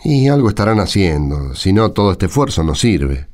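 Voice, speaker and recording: Casting: actor as good-natured Argentine village neighbour, male, lowish voice, varied melody, radio play. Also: very animated, moderate pace, darkish tone. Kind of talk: radio drama acting.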